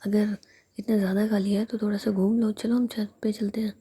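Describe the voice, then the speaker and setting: A woman's voice: mid-range voice, flat delivery, fairly quick, mellow, breathy edge. A woman whispering as a teasing young woman.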